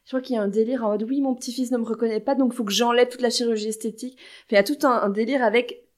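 A woman hosting a podcast in casual chat, playful and teasing and quick to laugh. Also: a little high, fairly even intonation. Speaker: podcast host.

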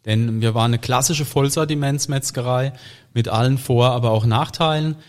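A man's voice: mid-range voice, moderate pace. Man explaining his butcher trade. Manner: relaxed, explains at length with fillers. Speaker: guest butcher. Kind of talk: casual chat.

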